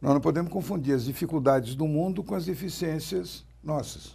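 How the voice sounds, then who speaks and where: A man's fairly high, somewhat breathy voice with a dark, mellow tone at a moderate pace. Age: 60s. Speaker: journalist. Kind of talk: TV panel discussion.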